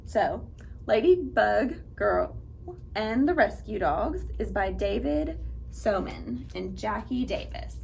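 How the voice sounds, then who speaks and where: A woman reading aloud to young children at storytime, with an animated manner and speaking directly to her listeners. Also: mid-range voice, slow, gravelly, a little hiss or hum. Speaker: children's librarian and storytime reader.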